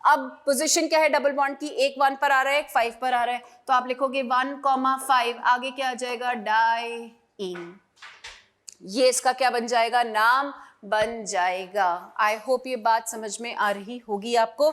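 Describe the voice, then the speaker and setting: Woman, high voice, chemistry teacher, repeats steps, asks and answers herself. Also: a bit bright. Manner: repeats each step, asks and answers own questions. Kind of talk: online lesson.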